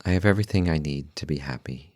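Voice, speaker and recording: A man leading a guided meditation in a calm, gentle, unhurried manner, leaving long pauses between short phrases. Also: a bass voice, no room sound, clean studio sound. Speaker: meditation guide, podcast host.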